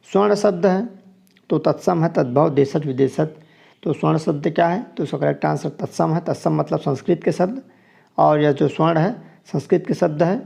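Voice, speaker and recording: A man from Chhattisgarh, India, teaches a grammar exam class in a voice that is dark, deeply gravelly and slightly high-pitched. He goes through the multiple-choice questions one after another, explaining each answer in steps and stating it twice.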